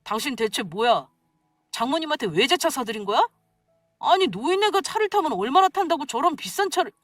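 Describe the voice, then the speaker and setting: A grown husband, petty and defensive, blusters through his complaints in a story reading, as a woman acts him out. The voice rides a fairly high, lively pitch. The sound is close and dry. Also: normal speed, no echo, faint music behind. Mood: indignant.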